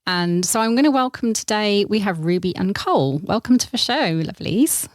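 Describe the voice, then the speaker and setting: A woman's voice: mid-range voice, expressive, brisk, no room sound, clean studio sound. Giggly woman podcast co-host. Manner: giggly, warmly welcoming. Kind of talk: casual podcast chat.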